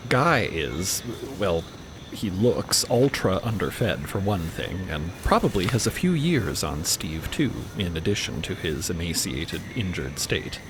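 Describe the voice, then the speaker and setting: A man's voice: sits low, big pitch swings, unhurried, noisy background. A man narrating a fiction podcast as a storyteller.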